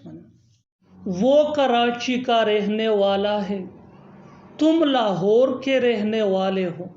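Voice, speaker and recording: A woman teaching English grammar in a scripted lesson, saying each English example slowly and then repeating it. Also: a little high, warm tone, echoey room, muffled recording.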